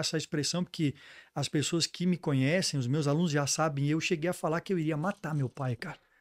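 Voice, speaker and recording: On a very clean recording with a silent background, a man with a plain, everyday voice speaks at a moderate pace, fairly high in pitch with ordinary pitch variation. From Brazil, Mato Grosso. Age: 40s. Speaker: entrepreneur and teacher. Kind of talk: podcast interview.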